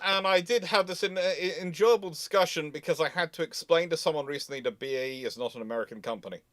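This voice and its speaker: A man's voice: fairly high pitch, quick pace, fairly bright tone. A man hosting a casual live discussion, explaining things in an emphatic way. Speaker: host of a live naval history Q&A stream.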